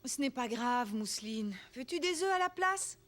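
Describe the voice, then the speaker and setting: A woman's voice: fairly high pitch, expressive, normal speed, fairly bright tone, slight background noise. A woman voicing a kind, encouraging grown-up of a family in a French children's cartoon.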